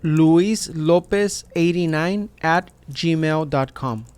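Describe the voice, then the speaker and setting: A man voicing an applicant in an interview, answering each question briefly and carefully. His voice is smooth and clear and sits a bit high for a man. He speaks slowly and evenly. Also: darkish tone, dry recording. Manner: short, plain, careful answers. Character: male citizenship applicant answering an officer. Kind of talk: scripted practice dialogue.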